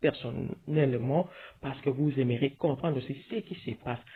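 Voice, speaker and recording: The speech moves at a moderate pace in a Congolese accent. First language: Lingala (speaking French). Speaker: YouTuber commenting on social media news. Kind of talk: casual vlog commentary. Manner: hesitant, many fillers.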